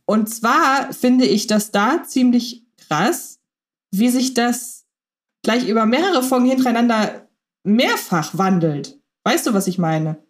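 A woman's voice: on the high side, lively intonation, slow. A woman co-hosting a podcast, talking through her thoughts in casual analytical chat, with frequent filler sounds and hesitations. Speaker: podcast co-host.

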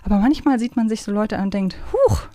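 A woman's voice: mid-range voice, expressive, quick pace, dark tone, dry recording, clean studio sound. A woman hosting a podcast in a casual, conversational chat style. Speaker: podcast host. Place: close, dry podcast recording.

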